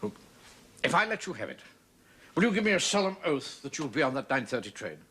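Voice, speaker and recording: Pompous stuffy officer, indignant, bright lively voice. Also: male voice, fairly high pitch, a little fast. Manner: indignant and self-important. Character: pompous, stuffy middle-aged man, an officer. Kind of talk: 1970s TV sitcom acting.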